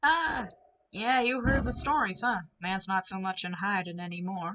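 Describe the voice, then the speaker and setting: Using a put-on character voice, a woman drawls at a moderate pace with medium pitch. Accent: Western US. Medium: actual play. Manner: folksy, friendly, drawling.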